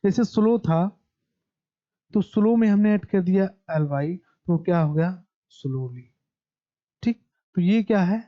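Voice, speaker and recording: A man teaching a basic grammar lesson, slowly repeating terms and asking questions that he then answers himself. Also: sits high. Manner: slow, repetitive, asks and answers his own questions. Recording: dull lo-fi recording.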